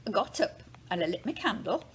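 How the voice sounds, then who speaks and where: A woman's voice: mid-range voice, sing-song, fairly quick, a little hiss or hum, lightly acted, low-quality recording. A woman playing a respectable, earnest nurse of thirty, giving precise, theatrical testimony in a dramatic reading. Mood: alarmed. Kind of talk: dramatic reading of a witness account. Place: large living room, indoors.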